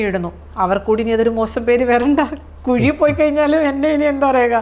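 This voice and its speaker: A high-pitched woman's voice with ordinary pitch variation over noticeable background noise. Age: 30s. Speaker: model. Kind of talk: interview.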